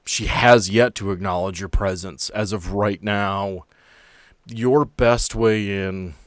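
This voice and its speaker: A man's voice: on the low side, steady tone, takes it slowly, no echo. A man acting as game master, narrating and refereeing a tabletop game in a casual, teasing way.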